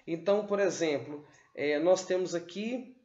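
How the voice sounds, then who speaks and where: Male teacher, slow and deliberate, sounds out syllables; dull, roomy recording. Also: sits high, a little mellow. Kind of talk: whiteboard lesson on literacy. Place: room with a whiteboard.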